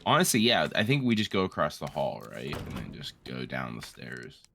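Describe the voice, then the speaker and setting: A man in his late twenties giving casual, joking game commentary in a crude, rambling, animated way. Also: extremely low pitch, normal speed, vocal fry, slight background noise. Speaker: co-host of a gaming series.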